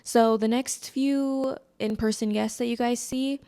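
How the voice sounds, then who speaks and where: A woman's voice: a little high, steady tone, measured pace, mellow, smooth. An American woman hosting a solo podcast in a casual, chatty way, with a scratchy, slightly congested voice on a close microphone. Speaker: podcast host.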